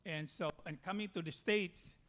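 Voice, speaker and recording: Filipino guy w accent telling his church testimony, kinda high voice, halting delivery. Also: fairly bright tone. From Philippines. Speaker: church member giving testimony. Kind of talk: personal testimony to a congregation.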